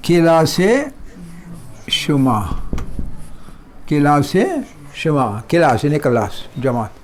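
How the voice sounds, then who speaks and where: Middle-aged male teacher, slightly high voice, very slow, repeats each word, faint noise behind. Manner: slow, drawn-out repetition of words; explains in Hindustani mixed with English. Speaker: Persian teacher. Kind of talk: slow classroom lesson.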